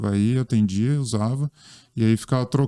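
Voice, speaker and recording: A man speaks in a dark, mellow tone with ordinary pitch variation. The recording is very clean and dry, close with no echo and a silent background. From Brazil, Minas Gerais. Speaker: Google Workspace trainer and consultant. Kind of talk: podcast interview. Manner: fast; animated.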